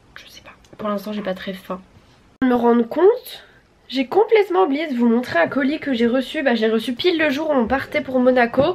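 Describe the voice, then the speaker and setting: The delivery has lively intonation. The pace is moderate. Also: woman, high pitch for a woman. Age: 20s. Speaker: vlogger and nursing student; vlogger. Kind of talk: casual vlog talk to camera. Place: home room. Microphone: phone near.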